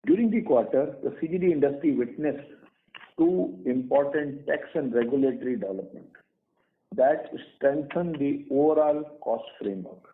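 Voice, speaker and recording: A man with an Indian accent giving a prepared company earnings presentation as an executive, formally and in short, measured phrases. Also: mid-range voice. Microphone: phone or conference call line. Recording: tinny phone-line conference call audio.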